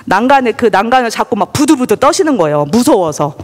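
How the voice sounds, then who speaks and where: Animated woman testifying in a reverberant church. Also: fairly high pitch, fast talker. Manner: animated storytelling, acting out quoted voices. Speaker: church member giving testimony. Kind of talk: personal testimony at a church service. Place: church sanctuary.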